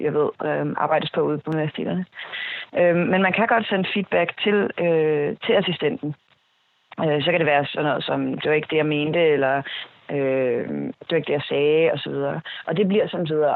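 Interview guest, man, slightly high gravelly voice, halting and filler-heavy, phone-thin dry sound. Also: no echo, narrow, tinny audio. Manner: hesitant, many fillers and restarts. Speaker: interviewee, speech technology expert. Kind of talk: explanatory interview answers.

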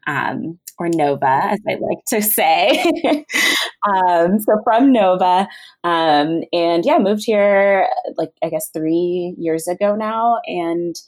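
Relaxed young woman, lower voice. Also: takes it slowly. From Northern Virginia, USA. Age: young adult. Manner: relaxed, hesitant with many ums, laughing. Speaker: guest. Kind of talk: casual chat.

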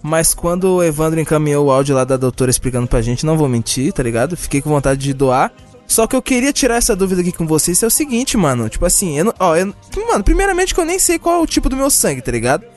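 A man's voice: on the high side, sing-song, quick pace, darkish tone, faint music behind. A man co-hosting a casual podcast, goofy and self-mocking. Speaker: podcast co-host. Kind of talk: casual chat.

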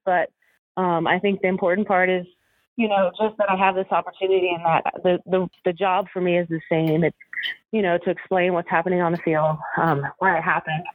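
A woman's voice: lowish voice, little pitch movement, brisk, no room sound. Woman, chatty, over a tinny phone line. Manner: rambling, many fillers and restarts. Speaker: soccer coach and Spanish-language commentator. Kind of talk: casual podcast interview.

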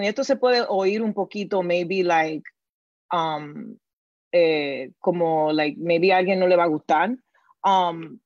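A woman with a Dominican accent speaks earnestly as a coach in an interview, often restarting phrases. Her voice comes through a dull, lo-fi recording in a dry space with no room echo. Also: on the low side. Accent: Dominican Spanish. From Dominican Republic. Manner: earnest, repeats words, slips into English. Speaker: guest, team coach. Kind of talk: casual interview answers.

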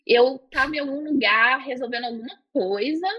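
A young woman, a guest, telling a personal story in a casual, animated interview. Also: high-pitched, normal speed, breathy edge, highs cut off. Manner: animated, breathless retelling with gasps and laughter. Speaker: astrologer guest.

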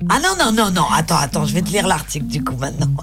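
A woman's voice: low-pitched, very animated, quick pace, over music. A woman presenting a segment on a radio show in a casual, chatty style.

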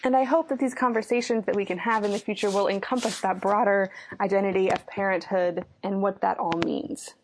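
American female podcast host, mid-pitched, reflective intro narration, faint noise behind her. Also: steady tone, fairly quick, hardly any pauses, rough recording. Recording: clear background noise with clicks.

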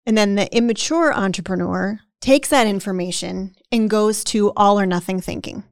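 Lady podcast cohost, talky, keeps saying right?, crackly fry, dry close sound. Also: medium pitch, moderate pace, dry recording. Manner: chatty, tags sentences with "right?", acts out imagined self-talk. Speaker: podcast co-host. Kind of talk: casual conversational podcast chat.

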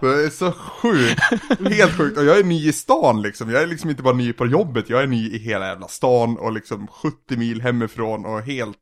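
A man's voice: mid-range voice, few pauses, dry recording, clean studio sound. A man co-hosting a podcast in casual chat, telling jokey stories. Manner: storytelling, jokey. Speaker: podcast co-host.

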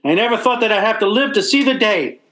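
A man's voice: high voice, expressive, fast, bright, forceful tone, echoey room. An actor playing a blustering, self-pitying working-class father in old-time radio comedy style, with stammering, folksy, ungrammatical speech. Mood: indignant.

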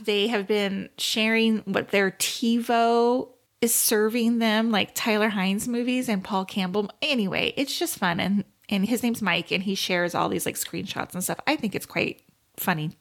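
A woman's voice: mid-range voice, fairly bright tone. Giggly, chatty female podcast co-host. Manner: giggly, laughs readily while talking. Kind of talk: casual chatty banter.

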